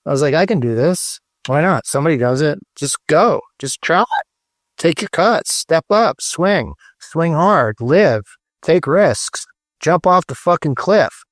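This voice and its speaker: A man's voice: on the high side, animated, a little slow, dry recording, studio quality. A middle-aged man, a podcast guest, giving emphatic, profane motivational talk in a casual interview. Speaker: guest, branding strategist.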